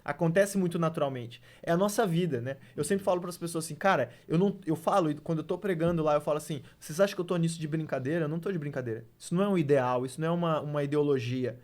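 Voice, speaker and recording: A man's voice: fairly high pitch, fast talker, hardly any pauses, darkish tone. A man who is a missionary, talking as a guest on a podcast and telling faith stories in an earnest, emphatic way. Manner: earnest, testimony-style storytelling with frequent "né" and "cara"; emphatic, preacher-like when making his point. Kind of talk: casual podcast conversation.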